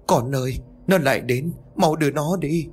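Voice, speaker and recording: A man voicing a terrified old village woman who pleads and panics in a rushed, breathless way. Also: mid-range voice, expressive, slightly rough, soft background music. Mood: panicked. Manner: frantic, pleading, breathless rush.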